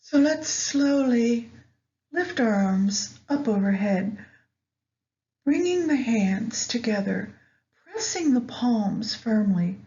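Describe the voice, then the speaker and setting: Slow, mellow woman guiding meditation. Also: medium pitch, highs cut off. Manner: measured, pausing between short phrases. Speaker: meditation guide. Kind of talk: guided meditation with astrology commentary.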